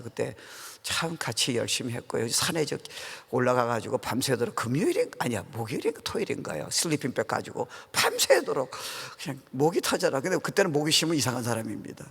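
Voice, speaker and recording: Creaky-voiced male preacher in a reverberant hall. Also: mid-range voice, fairly bright tone. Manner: informal and earnest, often posing questions to the congregation. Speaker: guest pastor preaching. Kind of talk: conversational revival sermon with personal testimony. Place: large church sanctuary, preaching to a congregation. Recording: reverberant church hall sound.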